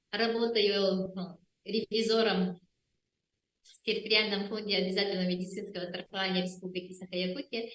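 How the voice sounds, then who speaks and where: At a moderate pace, a woman with a medium pitch talks in a monotone, flat intonation with big swings in loudness. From Yakutia, Russia. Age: 60s. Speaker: health insurance auditor, product ambassador. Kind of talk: testimony. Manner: halting, many fillers.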